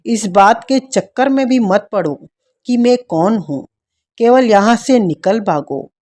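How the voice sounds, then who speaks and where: A woman voicing a secretive young noblewoman, hushed. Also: on the high side, animated, measured pace. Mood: urgent hushed. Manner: hushed, whispering.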